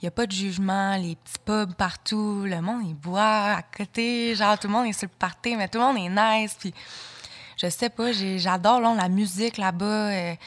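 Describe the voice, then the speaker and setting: A woman's voice: medium pitch, fairly even intonation, normal speed. A young woman from Saguenay with a Québécois accent, chatting as an interview guest, with many fillers. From Saguenay, Quebec. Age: young adult. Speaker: guest, fashion model. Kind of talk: casual interview chat.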